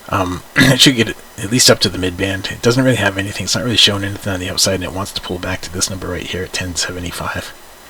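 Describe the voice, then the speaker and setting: Someone with an American accent talks very fast over noticeable background noise. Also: man. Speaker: trading educator. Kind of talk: live trading session. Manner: casual, filler-heavy, repeats words.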